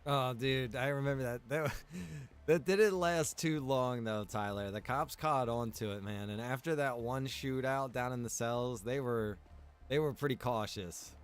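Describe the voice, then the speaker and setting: A man's voice: medium pitch, measured pace, smooth, faint music behind. A man streaming a game, talking in a casual, informal, reminiscing way. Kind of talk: casual chat while streaming roleplay game.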